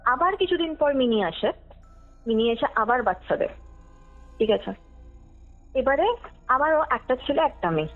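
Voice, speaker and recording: A woman's voice: high voice, lively intonation, normal speed, pauses often. A young woman tells a personal story conversationally, dropping in English words and checking that her listener follows. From West Bengal, India. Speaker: podcast guest telling her true ghost story. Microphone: phone call. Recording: tinny phone call, music underneath. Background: background music.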